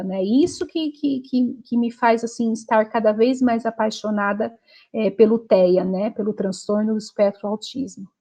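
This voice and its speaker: A woman's voice: medium pitch, a little mellow. A middle-aged woman teacher with a Brazilian accent, giving a chatty lecture full of little fillers. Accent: Brazilian Portuguese. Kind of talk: lecture on autism.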